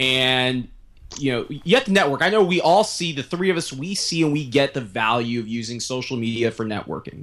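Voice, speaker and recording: Using an ordinary speaking voice, a man with a General American accent talks fairly quickly at a medium pitch with lively intonation. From US (Florida). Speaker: podcast co-host. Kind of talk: interview.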